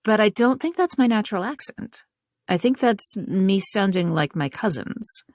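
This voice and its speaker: A woman's voice: medium pitch, animated, moderate pace, darkish tone, dry recording, clean studio sound. A woman from North Carolina with a Southern US accent, a guest author in a casual interview, talking reflectively in long winding sentences.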